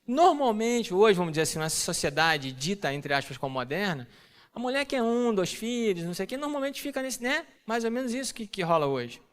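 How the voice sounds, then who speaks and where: Animated man preaching a testimony. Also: a little fast. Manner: animated storytelling, acting out family dialogue with sudden pitch jumps. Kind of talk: sermon testimony to a church audience.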